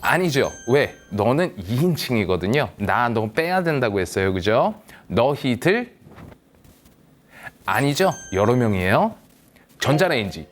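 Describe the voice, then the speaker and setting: Lively Korean man teaching English grammar. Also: mid-range voice, a little slow. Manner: lively, coaxing, asks and answers his own questions. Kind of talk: grammar lesson for seniors.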